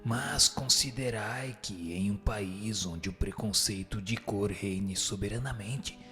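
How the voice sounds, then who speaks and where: In a radio drama, a Brazilian man plays a wise, solemn spirit teacher, delivering formal, didactic and rhetorical lines with patience. His voice is lowish, bright and forceful, his pace slow, and music plays behind him.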